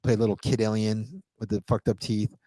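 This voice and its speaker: A man telling a rambling, profane party story as a podcast guest, in a casual animated way. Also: on the low side, fairly quick, no echo.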